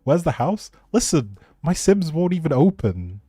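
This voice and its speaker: A man's voice: a little high, big pitch swings, measured pace, warm tone, breathy edge, no room sound, studio quality. A man chatting casually with viewers as a live game streamer, in a laid-back, informal and reassuring way. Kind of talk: casual livestream chat with viewers.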